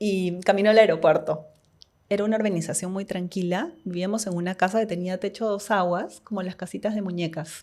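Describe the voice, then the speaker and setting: This woman has an unremarkable speaking voice at a medium pitch, delivered at a fairly quick pace with fairly even intonation. The recording is very clean, with a silent background. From Peru, Lima. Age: 50s. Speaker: author. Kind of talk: interview.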